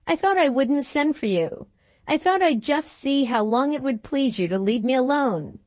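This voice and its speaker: A woman's voice: a little high, lively intonation, moderate pace, dry recording, close to an everyday voice. A woman voicing a peevish, self-pitying young husband who speaks in a sulky, sarcastic way in an audiobook.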